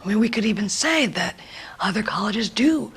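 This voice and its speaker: Woman's live interpreter voice, gravelly and halting. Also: medium pitch, expressive, fairly bright tone. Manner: hesitant, halting phrasing with frequent ums. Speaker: colleague in a planning meeting. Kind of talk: live sign language interpretation voiced aloud.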